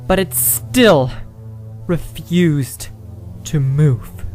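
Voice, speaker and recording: A man narrating a first-person ghost story, dramatic and at times dropping to a whisper. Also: high-pitched.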